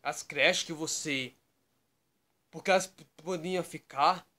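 A man's voice: fairly high pitch, takes it slowly, bright, forceful tone. A man rambling to his webcam from his bedroom, tagging nearly every phrase with "tá?" or "né?". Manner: repeats "tá?" and "né?" constantly, loose digressive storytelling. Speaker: YouTube vlogger. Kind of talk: rambling casual talk to camera. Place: bedroom at home, indoors.

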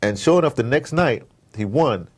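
A man's voice: mid-range voice, lively intonation, normal speed, breathy edge. An American man telling rambling, opinionated stories in a casual interview, often digressing and acting out conversations. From United States. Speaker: interview guest, audio drama producer.

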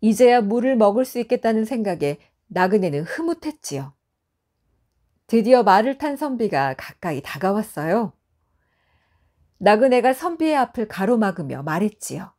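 A woman narrating a traditional folktale for an audiobook in a gentle storytelling manner. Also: medium pitch, sing-song, normal speed.

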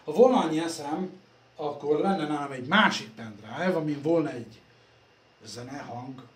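A man talking casually while working on computers in his workshop, rambling and self-deprecating, recorded on a phone. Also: on the high side. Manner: rambling, self-deprecating, trailing off softly at phrase ends. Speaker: computer repair vlogger. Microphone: phone camera. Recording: echoey workshop room, faint ambience.

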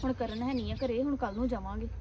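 A woman's voice: fairly high pitch, very fast, lightly acted. Brief: actress as a young girl on a phone call, teasing manner, noisy rural outdoor recording. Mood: chatty. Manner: teasing, chatty. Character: cheerful young village woman, teasing her friend. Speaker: young woman phoning her friend. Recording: outdoor noise, birds and vehicles.

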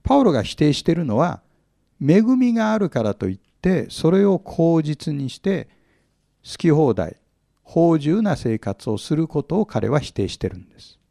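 A man's voice: on the high side, very animated, moderate pace, gravelly, warm tone, dry recording, studio quality. A male pastor teaching from the Bible, often asking his audience questions, stressing words with force and acting out small humorous scenes. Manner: humorous, acts out little scenes.

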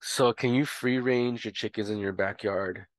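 A man's voice: on the low side, normal speed, no room sound. A man explaining a homesteading tutorial in a casual, rambling way, with frequent ums and restarts. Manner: relaxed, rambling with many fillers. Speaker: homestead educator.

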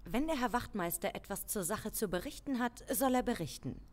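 An actress playing an authoritative female police chief in an audio crime drama, formal, measured and commanding. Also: a little high, expressive, a little mellow, lightly acted. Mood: stern. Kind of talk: German audio drama acting.

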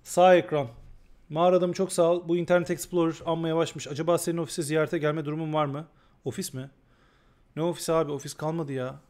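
A man's voice: a little high, little pitch movement, fast, darkish tone. A man streaming a game live and talking casually, often ranting in exasperation and repeating himself. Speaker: gaming streamer.

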